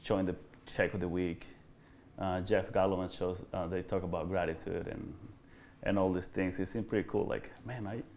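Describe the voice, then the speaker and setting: With a Spanish accent, a man talks at a moderate pace in a very deep, low voice. He leaves long, frequent pauses. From El Salvador. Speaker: solar sales professional. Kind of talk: podcast interview.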